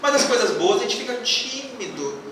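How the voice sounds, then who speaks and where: A man with a high, bright voice gives a playful religious lecture, quizzing his audience as he goes. He is picked up from far off in a very echoey hall. Faint noise sits behind him. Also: sing-song, normal speed. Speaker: spiritist lecturer.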